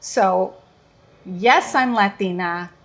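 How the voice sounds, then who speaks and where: A woman's voice: mid-range voice, takes it slowly, fairly bright tone. A middle-aged woman from Chicago with a Chicago accent, hosting a casual, joking chat as a comedian. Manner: joking, playful banter. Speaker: comedian host.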